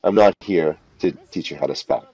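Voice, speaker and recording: A man presenting an unscripted software walkthrough, explaining each step in a deliberate, instructional way. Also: sits low, breathy edge, highs cut off. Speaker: tutorial presenter. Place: voice-over for a screen recording.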